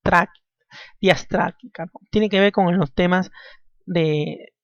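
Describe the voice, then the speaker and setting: A man's voice: high voice, slow, no room sound. A man teaching a language class, repeating key points and ending nearly every phrase with a questioning tag. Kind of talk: classroom lecture. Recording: dull dry lo-fi recording.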